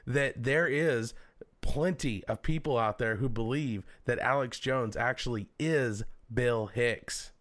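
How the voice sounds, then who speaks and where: Relaxed male podcast host. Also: medium pitch, takes it slowly. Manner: storytelling, relaxed, with fillers. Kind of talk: casual chat.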